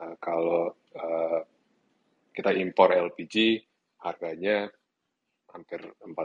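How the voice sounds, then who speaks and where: A man's very deep, low voice in a flat monotone, with a dry, close sound and no echo. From Indonesia, Jakarta. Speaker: company executive. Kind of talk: interview.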